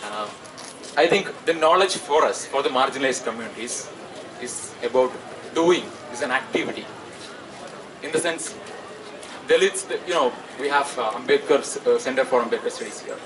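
A man in his twenties with a South Asian accent gives a protest speech as a student activist, halting and pausing often. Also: mid-range voice, animated. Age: 20s. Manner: halting, hesitant delivery with frequent pauses. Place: outdoors at night, open-sided tent gathering. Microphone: handheld microphone through PA, recorded by camera. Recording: distant outdoor PA sound, loud ambient noise.

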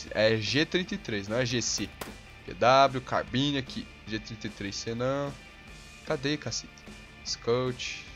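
A young Brazilian man with a Brazilian accent giving hot-tempered gameplay commentary, swearing and bursting into yells. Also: mid-range voice. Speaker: gaming channel host.

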